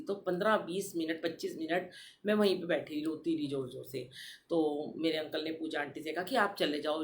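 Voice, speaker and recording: A middle-aged woman hosting a devotional podcast, telling a personal story in an animated way and addressing the listeners directly. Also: low-pitched, slight background noise. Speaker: satsang podcast host.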